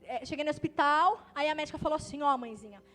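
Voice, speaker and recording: A young adult woman, pregnant, preaching in a church, moving from hushed storytelling to loud fervent preaching. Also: sits high, fast. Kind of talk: testimony sermon.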